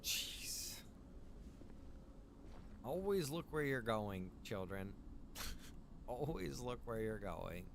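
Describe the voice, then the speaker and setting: A man livestreams a game, giving casual commentary with mild exclamations and joking asides to viewers. His mid-range voice is sing-song, drawing out words and pausing often, with clear background noise.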